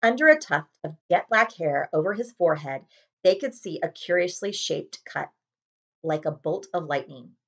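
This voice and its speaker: A woman's voice: low-pitched, lively intonation, normal speed, slightly rough. A woman in her thirties reading a children's chapter book aloud expressively, recorded on a webcam in a room at home. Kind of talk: storybook read-aloud narration. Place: small home room with window blinds.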